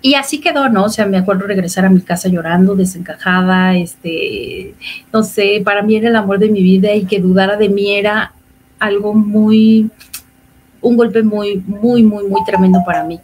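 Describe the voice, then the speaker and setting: A woman's voice: medium pitch, moderate pace, darkish tone, slight background noise. A woman, telling her personal story as an interview guest, often acting out what others said. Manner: emotional storytelling, quoting others. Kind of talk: personal testimony.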